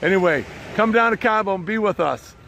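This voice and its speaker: An enthusiastic man pitches casually to a vlog audience in a slightly high voice with noticeable vocal fry. He is salesy and repeats himself for emphasis. The recording is outdoors, with some background noise. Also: a little fast, sharp tone. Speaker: online business promoter and host. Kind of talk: casual promotional vlog talk. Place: outdoors beside the ocean.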